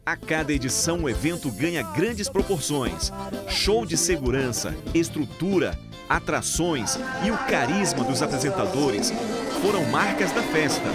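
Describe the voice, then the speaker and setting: A man reading a scripted TV news voice-over with an emphatic delivery. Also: a little high. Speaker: TV reporter. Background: loud music.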